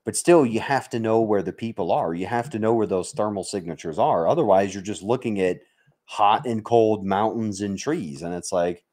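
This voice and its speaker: Speaking at a normal speed with a lowish voice and a darkish tone, this American veteran from Mississippi hosts a livestream. He chats casually with his audience, cursing freely and joking around bluntly.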